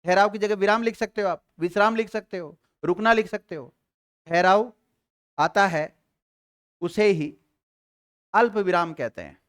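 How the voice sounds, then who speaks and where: A man teaching a grammar class to students, asking questions and answering them himself, and dictating notes slowly with repeated phrases. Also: high-pitched, a bit bright. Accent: Rajasthani Hindi.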